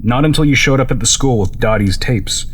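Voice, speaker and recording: A man's voice: medium pitch, fairly quick, fairly bright tone, slight background noise, close to an everyday voice. Dry, guarded young man acted. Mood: guarded, curt. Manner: dry, understated, casual. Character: Hanson, guarded, grumpy young man, dryly stoic. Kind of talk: naturalistic audio drama dialogue.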